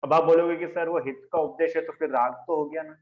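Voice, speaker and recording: A religion teacher lectures his class briskly in a steady, somewhat high voice, arguing through rhetorical questions and answers and quizzing students by name. The recording is roomy, dull, and lo-fi.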